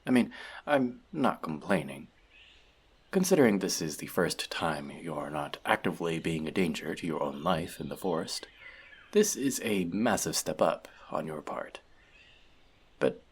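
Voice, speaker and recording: Elf magic mentor male actor for fantasy audio drama: gentle and teasing, gravelly, very expressive intonation. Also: low voice, full character voice. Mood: wry, teasing. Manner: conversational, teasing, reflective. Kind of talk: fantasy audio roleplay addressed to the listener.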